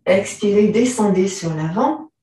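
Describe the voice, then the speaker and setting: A woman teaching a yoga and stretching class, giving slow, calm instructions and often clearing her throat. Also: medium pitch. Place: large room during an online class. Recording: very echoey room, far from the mic.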